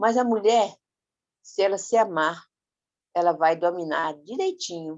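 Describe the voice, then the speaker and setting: A woman speaks at a very slow pace. Her pitch varies an ordinary amount. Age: 60s. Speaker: church group participant. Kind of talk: testimony. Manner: halting.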